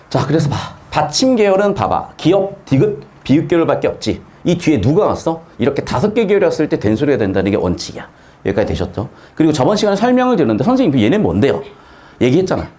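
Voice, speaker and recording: A middle-aged man teaching grammar in a casual lecture, asking rhetorical questions and dropping blunt slangy asides. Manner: lively, swings pitch widely, asks rhetorical questions, blunt slangy asides. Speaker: Korean grammar tutor.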